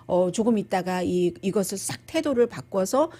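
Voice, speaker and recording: A woman's voice: mid-range voice, lively intonation, normal speed, dark tone. A woman hosting live news commentary, explaining things in a conversational way with restatements and quoted asides.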